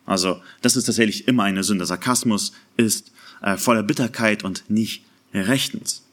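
A man preaching a sermon in an earnest, emphatic way, slowing down to stress key words. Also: on the low side, a bit bright.

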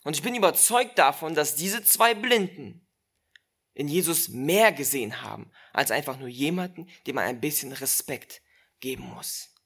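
A preacher giving a sermon, slow and emphatic, repeating key phrases and speaking directly to the listeners. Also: medium pitch, expressive, fairly bright tone.

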